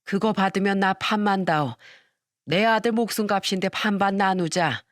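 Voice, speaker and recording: A woman's voice: medium pitch, no room sound, studio quality, close to an everyday voice. Woman voicing a coaxing, scheming mother-in-law. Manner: slow, coaxing, self-pitying. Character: scheming greedy middle-aged mother-in-law.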